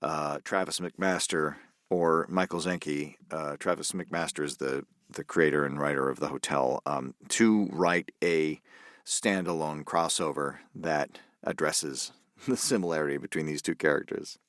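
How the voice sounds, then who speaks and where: Very deep-voiced easygoing male guest. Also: fairly even intonation, a bit bright, no echo, clean studio sound. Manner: rambling, easygoing, halting. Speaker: voice actor guest. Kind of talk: casual podcast interview.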